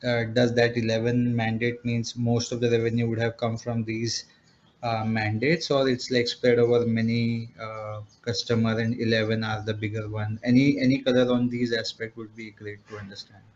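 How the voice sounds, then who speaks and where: A man speaks in an even, little-varying voice over a dull conference line with faint noise behind him. He sounds like an analyst putting questions to company management, polite, hesitant and roundabout in his phrasing. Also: mid-range voice, moderate pace. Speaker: analyst asking questions on an earnings call. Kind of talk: business question and answer. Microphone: conference call line. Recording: dull conference phone line, noisy background.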